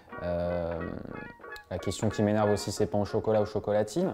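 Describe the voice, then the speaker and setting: Clear music plays in the background as a man speaks at a moderate pace. His pitch is fairly low and his intonation fairly even. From Arcachon, south-west France. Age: 20s. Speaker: stand-up comedian. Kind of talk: interview answer. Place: studio. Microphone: lapel.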